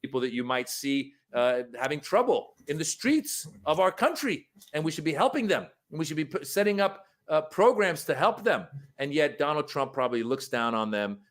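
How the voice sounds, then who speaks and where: A man from Iran giving earnest, argumentative political commentary in a played clip, pausing often with uh and um. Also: on the high side, expressive, fairly bright tone.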